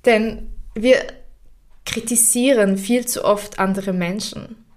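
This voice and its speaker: A young woman speaks an unscripted, heartfelt podcast monologue, addressing her late grandfather directly. Her voice sits in an ordinary middle pitch. She talks softly and reflectively, now and then sinking almost to a whisper. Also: fairly even intonation, takes it slowly. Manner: soft and reflective, sometimes dropping to a near whisper. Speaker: podcast host.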